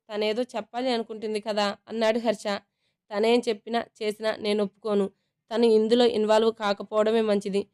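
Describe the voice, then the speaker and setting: A woman's voice: fairly high pitch, a little mellow, clear, resonant tone. A woman narrating a serialized family romance, reading every character's lines in a light conversational tone. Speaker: storyteller. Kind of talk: scripted narration of a serialized story.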